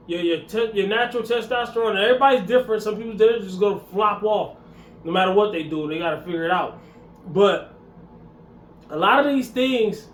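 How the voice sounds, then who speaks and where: Animated high-voiced man in his forties. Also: reverberant, slight background noise. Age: 40s. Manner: blunt, repetitive, preachy, animated. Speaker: fitness vlogger. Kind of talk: casual motivational talk to camera.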